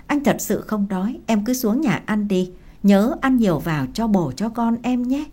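A brooding, guilt-ridden father, as a woman puts him on in a storybook drama. He talks low, curt and subdued, with a mellow, dark tone. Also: expressive, normal speed, natural voice. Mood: weary gentle. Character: withdrawn, guilt-ridden middle-aged father.

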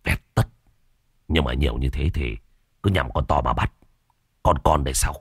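A man voicing a lazy, bossy gang boss in a low, hushed commanding drawl. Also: normal speed, breathy edge, dry recording, studio quality, heavily acted.

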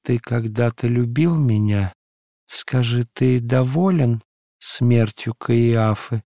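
A man's voice: mid-range voice, mellow, no echo, studio quality. A man reading aloud and voicing a dying young woman who rises into frenzied, wailing curses. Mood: faint, weary. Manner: wailing, cursing, drawn-out.

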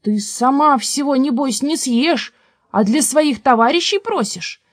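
A woman voicing a stubborn peasant man who scolds loudly and with emphasis, in a storybook reading. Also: high voice, animated, measured pace, no echo, studio quality, voice pushed up. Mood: reasoning.

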